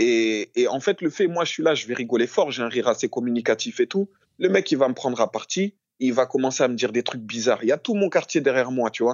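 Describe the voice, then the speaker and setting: Lively intonation marks this speech, which rushes by at a very fast pace. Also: man, medium pitch for a man. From France, Bordeaux. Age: 30s. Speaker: podcast guest. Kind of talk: casual chat. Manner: halting; loud laugh.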